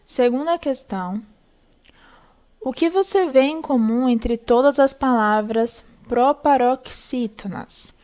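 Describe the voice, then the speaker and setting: A young woman with a fairly high voice teaches an online lesson. She explains slowly and patiently, step by step, and checks in often to make sure her students follow. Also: a little mellow.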